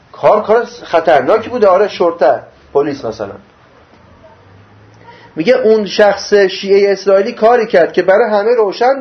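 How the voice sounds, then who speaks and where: A man giving a religious lesson. He reads passages in Arabic, then explains them in plain Persian, asking rhetorical questions. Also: sits high. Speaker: religious teacher. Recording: dull lo-fi recording.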